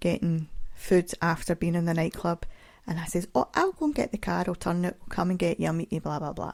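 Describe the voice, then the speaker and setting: A woman speaks in a Scottish accent with a fairly low pitch and a dark, mellow tone. The recording is very clean, with a silent background. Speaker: podcast host. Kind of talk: solo podcast monologue. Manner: casual, chatty.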